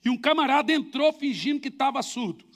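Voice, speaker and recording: A man's voice: extremely high pitch, a little fast. A male pastor preaching a sermon, telling humorous anecdotes with emphasis. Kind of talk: storytelling sermon.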